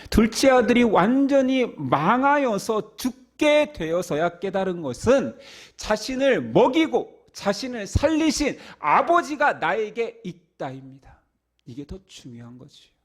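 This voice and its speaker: A man's voice: high-pitched, a little slow. A male pastor preaching a Sunday sermon, acting out the characters of the story in quoted voices and dropping to near-whispers at the ends of phrases. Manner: animated, acts out the parable's characters in quoted voices.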